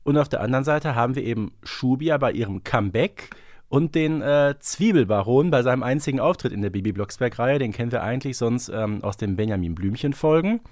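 A man's voice: mid-range voice, animated, a little fast, a little mellow, no echo, studio quality. A man hosting a podcast in a conversational fan-discussion style. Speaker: podcast host.

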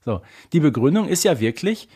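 A man's voice: on the high side, sing-song, brisk, warm tone, breathy edge. A man co-hosting a podcast, talking casually and emphatically in a mock-exasperated rant. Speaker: podcast co-host. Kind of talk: casual discussion of an audio drama series.

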